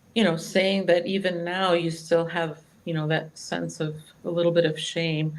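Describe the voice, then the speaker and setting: A woman with an unremarkable speaking voice talks at a fairly slow pace in a fairly low pitch. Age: 60s. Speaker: doctor and talk show host. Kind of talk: interview.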